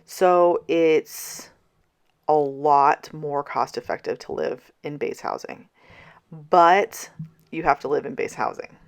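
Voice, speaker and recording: A woman in her thirties chatting casually in a vlog, tired, her voice scratchy and hoarse, going out as she talks. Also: deep voice, slow. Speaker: vlogger. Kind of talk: casual planner vlog chat.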